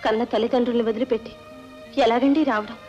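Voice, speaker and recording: A woman's voice: on the high side, fairly even intonation, fast, darkish tone, highs cut off, faint music behind, natural voice. An actress playing a torn young wife who pleads anxiously with her husband and her mother. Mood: pleading.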